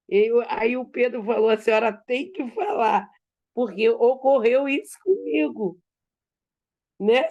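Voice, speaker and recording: A woman in an online study group, calmly telling a personal story and retelling what others said, over a video call. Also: on the high side. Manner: unhurried, conversational, retells dialogue. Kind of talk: casual storytelling in a group discussion.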